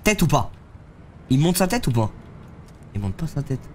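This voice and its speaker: A man's voice: a little high, big pitch swings, moderate pace, darkish tone, slight background noise. A young man, streaming a game live and chatting loosely with viewers in slangy talk while congested with a head cold. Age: young adult. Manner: slangy, loose, talks to chat while playing. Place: streaming room, seated in a gaming chair.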